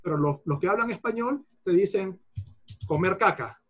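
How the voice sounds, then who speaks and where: A man's voice: sits high, lively intonation, a little fast. A man lecturing on linguistics in Spanish, explaining with repeated examples and correcting himself mid-phrase. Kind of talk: explanatory lecture answering a participant.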